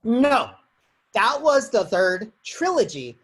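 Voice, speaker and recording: Woman acting a husky, animated nerd. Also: a little high, slow pace, heavily acted. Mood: pedantic. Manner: pedantic. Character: know-it-all sci-fi nerd correcting others. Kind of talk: amateur screenplay table read.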